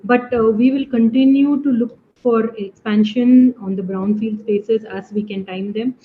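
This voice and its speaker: A woman's voice: fairly high pitch, fairly even intonation, a little slow. A woman with an Indian accent speaking as a finance executive, answering questions on an earnings call. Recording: dull call line, faint noise.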